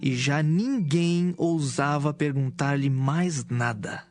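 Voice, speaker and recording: A man's voice: a little high, slow pace, over music. A man with a Brazilian accent giving scripted narration of scripture as a narrator.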